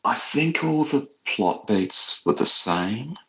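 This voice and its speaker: A man's voice: medium pitch, expressive, slow, bright, forceful tone, rough recording. A man, a guest author, giving casual, thoughtful and slightly hesitant interview answers. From Australia. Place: child's bedroom at home.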